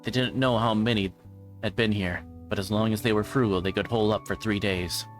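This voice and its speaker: A man's voice: lowish voice, fairly even intonation, brisk, soft background music. A man reading a visual novel's narration aloud on a livestream, in a storytelling style. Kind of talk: dramatic read-aloud narration of a game script.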